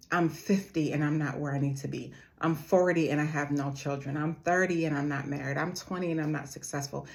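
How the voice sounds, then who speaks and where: Low-voiced woman giving earnest motivational talk. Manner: earnest, repeats phrases slowly for emphasis; calls her audience "family". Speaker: motivational speaker.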